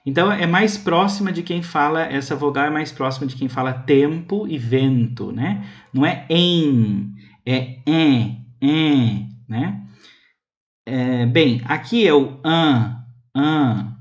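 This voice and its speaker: A young Brazilian man giving an online phonetics lecture, saying example words slowly and carefully. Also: a little high, expressive, dull audio. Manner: slow, careful, drawn-out pronunciation examples. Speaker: university language instructor.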